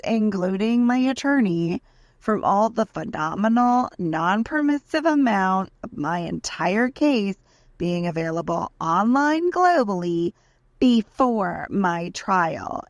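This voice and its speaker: A woman's voice: mid-range voice, no echo, muffled recording. A woman giving a dramatic reading as an aggrieved, desperate defendant, indignant and emphatic as she pleads her case in a letter. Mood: indignant, pleading. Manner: indignant, emphatic, deliberate list-like delivery.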